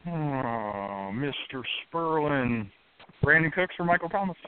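A man hosting a sports radio panel, firing off quick questions and sarcastic asides. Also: fairly high pitch, animated, clear, resonant tone, no echo. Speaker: show host. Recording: dry, phone-like narrow band.

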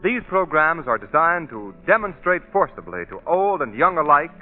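A man delivers scripted narration as a classic radio announcer. His mid-pitched voice is very animated, formal and theatrical. It sounds thin and telephone-like, over faint music. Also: moderate pace. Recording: tinny, narrow old radio broadcast.

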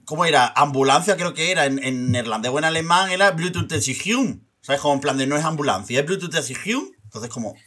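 A man's voice: mid-range voice, quick pace, few pauses, pushed and bright. A man with an Andalusian accent, co-hosting a podcast in chatty, joking conversation. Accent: Andalusian Spanish. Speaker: podcast co-host. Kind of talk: casual chat.

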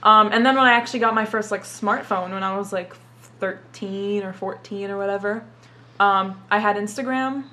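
A young woman raised in Dubai, whose first language is Arabic, answers questions in a casual interview, swearing freely and saying "like" a lot. Her voice is medium-pitched with a sharp tone, and she speaks at a moderate pace.

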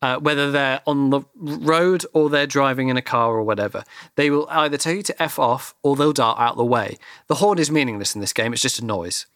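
A man's voice: mid-range voice, a little fast, a bit bright, dry recording, clean studio sound. A man ranting animatedly in casual chat as a podcast co-host, swearing freely.

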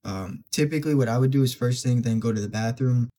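Young male podcast host, congested nose, mellow dark tone, loose filler-heavy delivery. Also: mid-range voice, fast. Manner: casual, many filler words and restarts. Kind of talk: solo self-improvement podcast talk.

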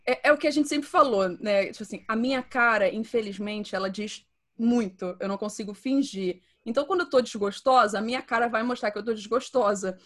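A woman's voice: a little high, brisk. A woman with a Brazilian accent, co-hosting a podcast in casual chat and telling stories with lots of laughter. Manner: animated storyteller, laughs often. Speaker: podcast co-host.

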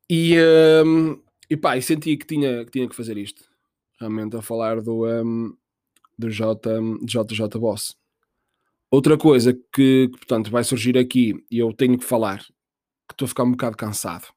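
Portuguese guy (european accent) rambling on his podcast, swears a lot, jokes at himself, mid pitch, dry close sound. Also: darkish tone, no room sound. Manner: rambling, profane, jokey, self-mocking. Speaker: podcast host. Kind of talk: casual comedic monologue.

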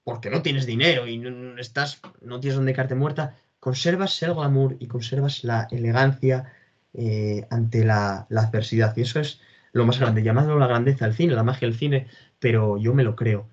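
A man's voice: medium pitch, steady tone, normal speed. A man talking casually and with enthusiasm about films, repeating his phrases and stumbling over words. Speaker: film discussion co-host. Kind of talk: casual film chat. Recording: dull lo-fi audio.

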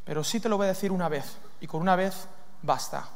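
A man from preaching a lively sermon, questioning his listeners and acting out lines from scripture. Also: high-pitched, fairly quick. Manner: lively, asks the audience questions, acts out demons' lines. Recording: long hall reverb.

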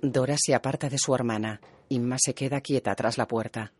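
A man reads a film's audio description in a calm, even way, in a steady mid-range voice. A faint noise runs under him. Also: mid-range voice, fairly quick.

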